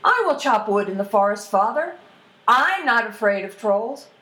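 A woman's voice: on the high side, animated, moderate pace, fairly bright tone, reverberant. A woman voicing a bold, cunning farm lad in a folktale, with a cocky, nonchalant manner. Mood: confident. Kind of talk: folktale storytelling.

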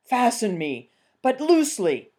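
A woman voicing a slow menacing bear. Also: on the high side, sing-song, warm tone, slightly rough, pitched above the performer's own voice, heavily acted. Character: hungry bullying male bear.

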